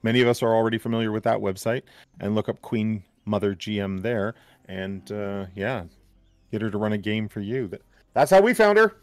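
Upbeat gravelly man hosting a stream. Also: fairly low pitch, lively intonation, fairly quick, dry recording. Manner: upbeat, plugs guests. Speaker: stream host. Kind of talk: casual chat.

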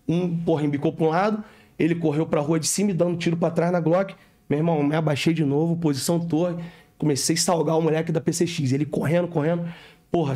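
A man's voice: sits high, darkish tone. A man with a Rio de Janeiro accent, a police corporal telling a story as a podcast guest in slangy street talk, with sound effects. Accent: Rio de Janeiro Portuguese. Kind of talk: casual storytelling.

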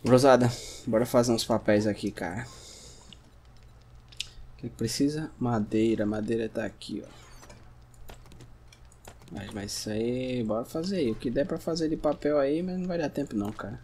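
Chatty Brazilian gamer talking to himself. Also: male voice, mid-range voice, normal speed, pauses often, slight background noise. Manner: chatty, talks to himself and the audience, bursts into shouts at scares. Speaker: gameplay streamer. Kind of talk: casual gameplay commentary.

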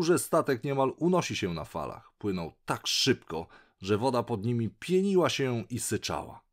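A man reads a children's adventure aloud in a lowish voice. His telling is animated, with wide swings of pitch. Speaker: audiobook narrator. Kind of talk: expressive audiobook narration.

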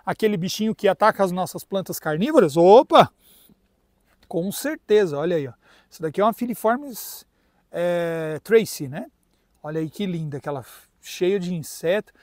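A carnivorous plant grower hosts his casual vlog outdoors in a garden by a pool, recording on his phone's built-in mic rather than an external one. He has a Brazilian Portuguese accent and chats playfully, mispronouncing words on purpose. His high, expressive voice has a darkish tone at normal speed, with no echo.

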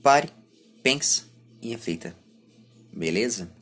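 A man in his twenties with a Brazilian accent and a husky voice, speaking a reflective monologue to camera as a vlogger, halting between short phrases. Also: mid-range voice, expressive, a bit bright, soft background music. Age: 20s. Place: small indoor room lined with bookshelves. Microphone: phone or camera at arm's length.

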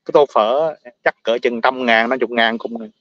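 A man's voice: medium pitch, normal speed, no echo, dull audio. A man from Vietnam with a Southern Vietnamese accent, talking casually and bluntly to his viewers, ranting, repeating words and laughing often.

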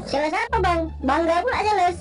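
A man voicing a cheeky young heckler with a pitched-up squeaky voice and mocking retorts. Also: expressive, fairly quick.

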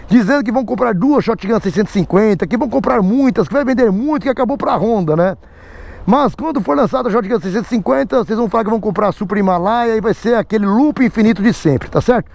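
A man's voice: high-pitched, quick pace, gravelly, darkish tone. A man with a Brazilian Portuguese accent chatting casually to his viewers, recorded outdoors in light rain. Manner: chatty, repeats "né?" and "pessoal". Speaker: motorcycle vlogger. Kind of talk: casual vlog talk to viewers.

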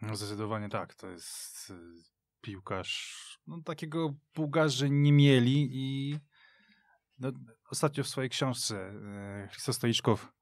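A man's voice: mid-range voice, unhurried, darkish tone, no echo. A man talking football as a radio studio guest, speaking fluently and reeling off names and details. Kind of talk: casual sports discussion.

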